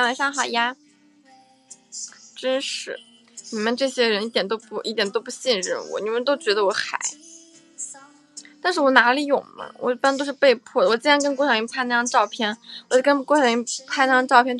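A woman's voice: fairly high pitch, a bit bright. A young woman hosting a casual livestream, chatting with viewers in a playful, teasing way and often repeating her phrases. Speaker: livestream host.

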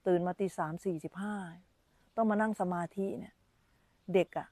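With a dark, medium-pitched voice and fairly even intonation, the woman talks at a moderate pace, and there is no room sound. She is a meditation teacher streaming a casual dharma talk, chatty and repetitive as children surround her.

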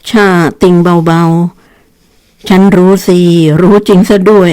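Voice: mid-range voice, flat delivery, takes it slowly, a little mellow, clean tone, no room sound, lightly acted. The narrator voicing an older male professor who drawls and lectures in a genial, opinionated way. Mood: lecturing.

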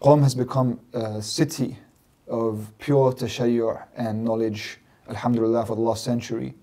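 In a small, plant-filled studio set, a London man in his thirties talks into a desk mic on a stand as the guest on a podcast interview. He is a religious scholar with a warm, dark, mid-range voice, and his delivery is flat at normal speed. His earnest explanation is emphatic and repeats phrases in lists.

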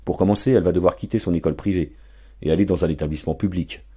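A man reading aloud, voicing a gloomy, blunt father in a low, sullen tone. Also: rapid-fire, mellow, slightly rough. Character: gruff bankrupt father, sullen.

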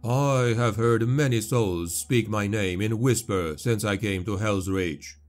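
A man voicing an armored male warrior-chaplain who talks slowly, booming and full of contempt, with faint music behind. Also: close to an everyday voice. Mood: rousing. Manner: slow, booming, scornful. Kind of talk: audiobook character voice.

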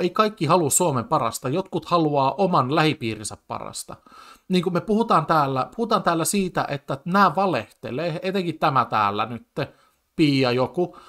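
A man's voice: fairly high pitch, fairly bright tone. A man commenting on a TV debate in casual speech, agitated and full of stammered restarts and fillers. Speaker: commentator reacting to a TV debate clip.

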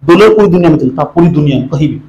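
Over lo-fi sound in an echoey room, an expressive, rapid-fire man with a high, slightly mellow voice teaches exam prep. He drills points repeatedly, throws questions at the students and scolds them when they don't follow.

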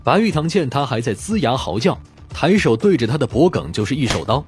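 Male narrator, mid-pitched, lively and dramatic delivery of crime fiction, light music bed. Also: a little fast. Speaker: audiobook narrator.

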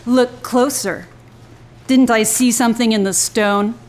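Woman acting a cool, mysterious noir dame, highish voice. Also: fairly even intonation, a little slow, a little mellow, natural voice. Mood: cool, teasing. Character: cool, mysterious, menacing young beatnik woman. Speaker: actor in a live audio play. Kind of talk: live noir radio-play acting. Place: live on stage in a club.

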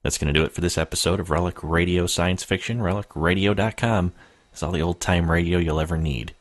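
A man's voice: deep voice, steady tone, a little fast. A man hosting a podcast, reading a scripted show outro. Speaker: podcast host.

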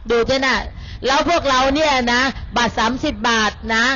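High, bright-voiced rousing woman at a rally. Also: moderate pace, dull audio. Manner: rousing and blunt, repeats a tag word, swears. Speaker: rally speaker on stage. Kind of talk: fiery political rally address.

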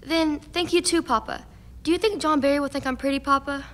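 A woman's voice: high-pitched, brisk, a bit bright. An actress playing a sweet, eager teenage frontier daughter in a radio drama, earnest and girlish. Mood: excited, grateful.

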